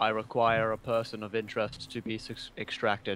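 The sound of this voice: A man puts on a robotic character voice at medium pitch. His intonation is monotone and flat, and his pace is moderate.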